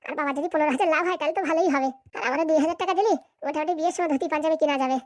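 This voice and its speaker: A woman's voice: high-pitched, racing, dry recording, clean studio sound, close to an everyday voice. A woman voicing an eager, deferential young village son in a comedy cartoon, with stammering starts. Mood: deferential, hopeful.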